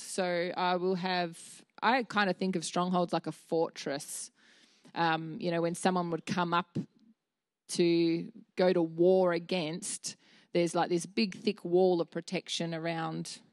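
A woman in her thirties preaches in a relaxed, heartfelt way, with fillers and restarts. Her voice sits a little low. The handheld mic gives a close, dry sound. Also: no room sound. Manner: earnest, candid, with fillers and restarts. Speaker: church speaker. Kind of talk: conversational sermon. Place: dim church stage with a small seated audience.

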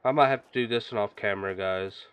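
A man hosting a gaming channel, chatting casually and reacting excitedly as he plays, sniffling from a stuffy nose. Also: lowish voice, quick pace, clear, resonant tone. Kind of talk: casual game commentary.

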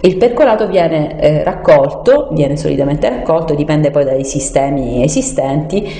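In a reverberant room, a woman speaks with a low, gravelly voice and a soft, dark tone. She is a radio guest explaining things off the cuff, often pausing to hunt for the right word. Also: expressive. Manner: explanatory, hesitant, searching for words. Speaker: studio guest explaining environmental issues. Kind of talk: unscripted radio discussion. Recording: echoey room with long reverb.

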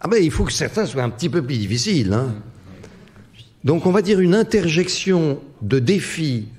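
A man's voice: a little high, very animated, moderate pace, darkish tone. A man posing word riddles to a live audience, reading clue words one at a time and bantering with the crowd between puzzles. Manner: reads clue words one by one, then chats and teases the audience.

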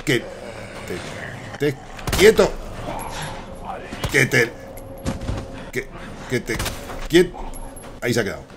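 A streamer with a Spain Spanish accent comments live on the horror game he's playing, swearing often and bursting out excitedly at enemies and chat. He speaks slowly at medium pitch, pausing often, with background noise.

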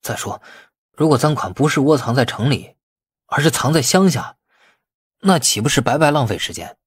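A man voicing an indignant, excitable police subordinate in an audiobook, protesting and doubtful. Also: mid-range voice, moderate pace, breathy edge, no echo, clean studio sound, voice pushed up. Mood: astonished, doubtful.

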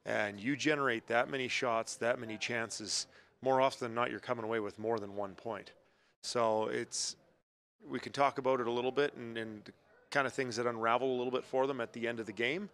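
A man's voice: mid-range voice, fairly quick. Man analyst breaking down hockey plays. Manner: relaxed, explains plays with hockey terms. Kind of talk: sports post-game analysis. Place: TV studio desk. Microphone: handheld mic.

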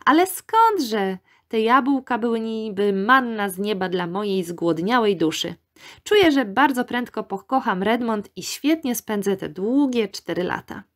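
A woman's voice: fairly high pitch, expressive, unhurried. A woman reading the part of a dreamy, imaginative young woman student in an audiobook, speaking wistfully and eagerly. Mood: cheerful. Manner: wistful, enthusiastic.

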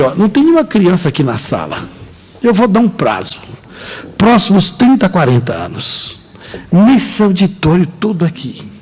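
A man with a Brazilian Portuguese accent lectures a live audience in an auditorium. His voice sits high and leaps all over the place as he stresses his points, slowing into long dramatic pauses between jokes. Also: a little mellow, low-quality recording. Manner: emphatic, joking, drawn-out dramatic pauses. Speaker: seminar lecturer.

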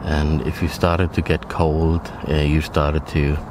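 Very deep, slow, hesitant man. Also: little pitch movement, background noise. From Norway. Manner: hesitant, many fillers and restarts, hushed at times. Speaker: wildlife photographer. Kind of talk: casual vlog narration. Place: small blind in a forest, outdoors.

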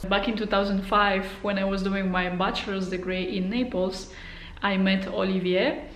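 A woman's voice: medium pitch, fairly even intonation, moderate pace, slight background noise. A woman in her thirties from Poland, a native Polish speaker, chatting to camera as a vlog host with lots of fillers. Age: 30s. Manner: friendly, chatty, many fillers. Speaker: channel host. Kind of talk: casual to-camera vlog talk. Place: room at home. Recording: roomy echo.

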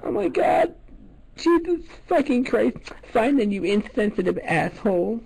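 A man putting on a melodramatic, easily offended gay man who makes a prank phone call, his gravelly voice swinging from mumbling and hesitant to shrill and wailing. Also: big pitch swings, a little slow, a little mellow, heavily acted. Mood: distraught, indignant. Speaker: prank caller.

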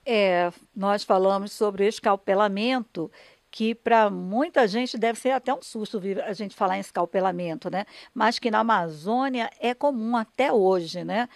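A woman's voice: mid-range voice, a little slow, creaky, no echo. A Brazilian woman, a radio dramatist and broadcaster, explaining her work conversationally and earnestly in an interview, often checking for agreement.

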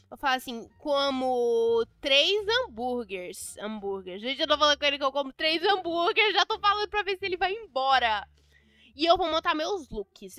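Brazilian woman, game commentary, high bright voice, dramatic and chatty, dry close mic, faint music behind. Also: no room sound. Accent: Brazilian Portuguese. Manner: chatty, dramatic, playfully exasperated. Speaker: gameplay youtuber. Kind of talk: casual gameplay commentary.

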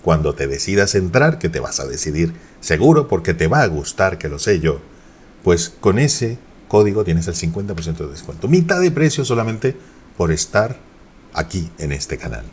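A man hosting a video, chatting casually and quickly while demoing an app, laughing now and then. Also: deep voice, big pitch swings, husky. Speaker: tech YouTuber. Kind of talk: casual sponsored app demo.

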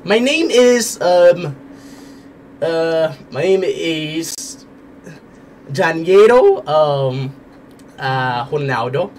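A young adult man livestreams on a headset mic from an indoor room, talking casually and hesitantly, repeating the same word over and over. His voice is a little high and expressive, very slow with frequent pauses, and there's slight background noise.

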